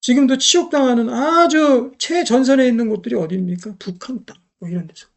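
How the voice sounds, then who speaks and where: Woman, middle-aged, preacher, sermon, emphatic, repeats phrases, rhetorical questions, gravelly fry. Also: a little high, brisk.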